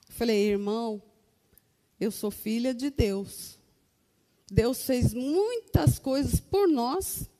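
Brazilian lady giving church testimony, earnest, soft warm tone, long echo. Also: a little high, slow. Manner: earnest, addresses listeners as brothers. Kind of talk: testimony to a congregation.

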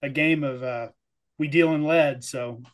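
A man's voice: medium pitch, fairly even intonation. Guy from around texas recapping his game, stops and starts a lot, plain middle voice. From Texas or Oklahoma area. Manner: hesitant, halting, with repeated words. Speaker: player. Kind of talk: casual chat recapping a tabletop game.

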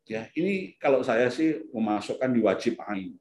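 A man's voice: medium pitch, very animated, normal speed, darkish tone. A man giving an informal seminar talk on parenting and the brain, rambling with many fillers and restarts and rising to emphatic peaks.

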